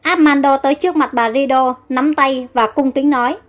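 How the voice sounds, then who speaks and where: A woman's voice: high-pitched, moderate pace. A woman narrating an audio story and reading every character's lines in the same voice. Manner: reads all characters in one even voice. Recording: faint background music.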